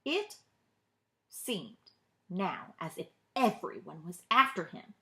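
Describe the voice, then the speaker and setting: A woman reading a storybook aloud to children as a librarian, with expressive narration. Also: fairly low pitch, takes it slowly.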